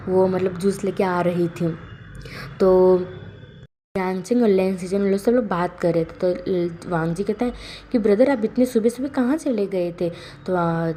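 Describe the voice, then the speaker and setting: A woman's voice: mid-range voice, warm tone, slight background noise. A woman casually retelling a fan-fiction story to her viewers in a rambling, chatty way, with many fillers and restarts. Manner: addresses viewers directly.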